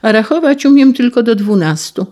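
A woman's voice: fairly high pitch, animated, moderate pace, mellow, voice pushed up, close to an everyday voice. A woman voicing an eager little girl, the youngest of three siblings, in a read-aloud storybook.

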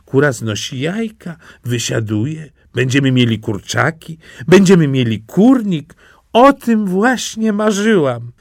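A doting old farm wife from a storybook gushes in a high, lilting voice that swings widely, as a male narrator puts her on. Her words come out slow and fond, and the voice is close and dry. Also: big pitch swings, gravelly, no echo, exaggerated voice. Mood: gushing delight. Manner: gushing, delighted.

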